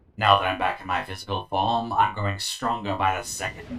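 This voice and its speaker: A man does a put-on character voice, pitched very deep and low. It sounds gravelly, raspy and strained. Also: fairly quick pace. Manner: menacing, boastful.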